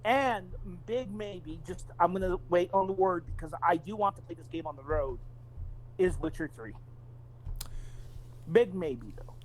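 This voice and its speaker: A man's voice: sits high, unhurried, slight background noise, low-quality recording. A man chatting casually about video games as a podcast co-host.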